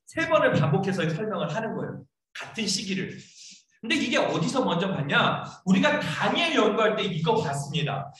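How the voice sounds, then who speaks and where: A man's voice: sits high, big pitch swings, brisk, a bit bright. A man preaching a sermon as pastor, often putting questions to the congregation and acting out scolding lines in a raised voice. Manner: keeps asking the congregation questions. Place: church sanctuary. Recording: echoey church hall, mic far off.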